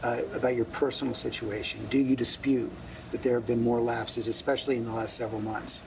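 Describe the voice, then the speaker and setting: A man's voice: mid-range voice, little pitch movement, fairly quick, vocal fry, a little mellow. A man interviewing in a persistent way, pressing follow-up questions and often stammering on his first word. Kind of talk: probing television interview. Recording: noisy archive broadcast clip.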